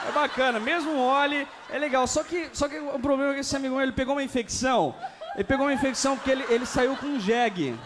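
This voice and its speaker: A young man with a Brazilian accent improvising stand-up comedy, animated and exclaiming, repeating his phrases. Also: very high-pitched. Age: young adult. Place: TV studio stage with live audience. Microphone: handheld. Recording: noisy studio with audience laughter.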